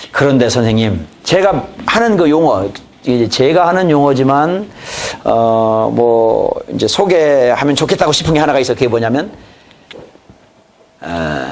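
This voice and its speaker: A pastor in his fifties giving a church training lecture, telling folksy family stories and acting out conversations. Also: mid-range voice. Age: 50s. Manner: folksy storytelling, acts out dialogue. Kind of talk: lecture on evangelism.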